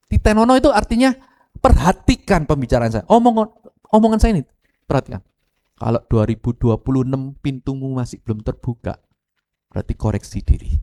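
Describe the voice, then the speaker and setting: Animated East Javanese preacher man. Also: medium pitch, a little fast, long pauses. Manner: animated, addresses congregation directly, mixes Javanese phrases. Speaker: pastor. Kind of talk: lively sermon with acted quotes.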